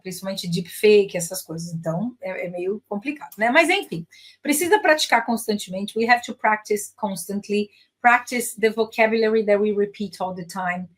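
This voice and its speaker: A woman's voice: mid-range voice, moderate pace. A woman with a Brazilian Portuguese accent, an English teacher chatting casually with viewers, full of tag questions and switching into English phrases.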